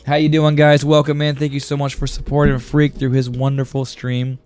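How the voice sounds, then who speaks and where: A man's voice: medium pitch, completely flat delivery, a little fast, darkish tone, clean tone. A man chatting casually on an art livestream, friendly and slangy with viewers, his voice affected by a sore throat and congestion. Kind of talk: casual livestream chat while drawing. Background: music.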